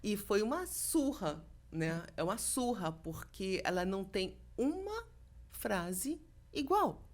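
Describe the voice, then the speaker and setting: Being interviewed on a podcast, a voice actress from Brazil in middle age shares animated stories, performing the lines of dialogue she quotes. Her voice is mid-range and her pace measured.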